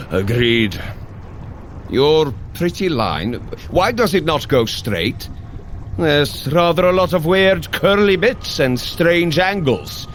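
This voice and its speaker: A man's voice: fairly high pitch, lively intonation, takes it slowly, a bit bright, a little hiss or hum. An actor playing a hearty, jovial male thunder god who cheers on a runner in a scripted audio drama and laughs easily. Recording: music bed under the voice.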